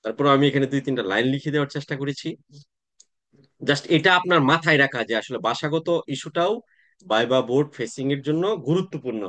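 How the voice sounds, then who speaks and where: A man, teaching an online class in a relaxed, conversational way, often pausing to check that students follow. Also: mid-range voice. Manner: conversational teaching with frequent "তাই না?" check-ins and hesitations. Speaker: tax exam coaching instructor.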